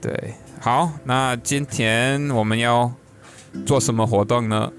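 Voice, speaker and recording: A man's voice: mid-range voice, steady tone, takes it slowly. A man co-hosting a casual chat, joking lightly, with hesitant phrasing and repeated little confirmations. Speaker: podcast co-host. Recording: guitar music behind the voice.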